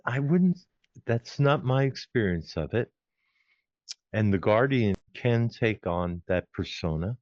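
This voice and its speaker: Slow, very deep-voiced man explaining. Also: darkish tone, no room sound. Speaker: podcast guest, former recording engineer. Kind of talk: measured explanation. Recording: dry muffled podcast audio.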